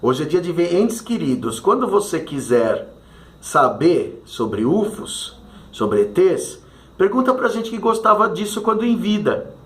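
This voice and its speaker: A man voicing a calm, red-haired female spirit doctor who firmly turns down his questions. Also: lowish voice, measured pace, roomy sound.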